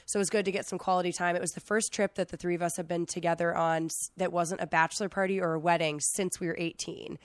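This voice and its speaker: A woman in her late twenties with a standard American accent, sick and losing her voice, telling travel stories in an animated casual chat. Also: fairly low pitch, fast talker, hardly any pauses, no room sound, studio quality. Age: late 20s. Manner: animated, chatty, peppers stories with "like" and acted-out quotes. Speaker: podcast host.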